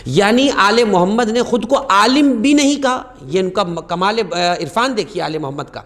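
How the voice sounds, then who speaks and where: A man speaking as a guest scholar on a religious talk show, telling stories with passion, rising sharply on key phrases and reciting Arabic quotations slowly. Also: high-pitched, expressive, a bit bright.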